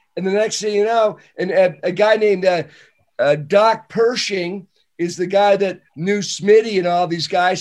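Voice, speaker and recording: Speaking at a fairly slow pace, a man uses a high pitch with fairly even intonation. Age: 70s. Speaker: relay founder, entrepreneur. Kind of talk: casual interview.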